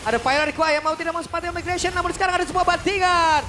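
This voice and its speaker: An Indonesian man calling live esports action as an excited play-by-play commentator, shouting like a fighting game announcer. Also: extremely high pitch, rapid-fire. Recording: noisy live broadcast with background ambience.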